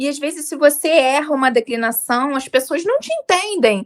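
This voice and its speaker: A woman talks at a moderate pace, her intonation lively throughout. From Brazil, Rio de Janeiro state (Teresópolis). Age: 30s. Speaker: nurse. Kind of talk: casual chat.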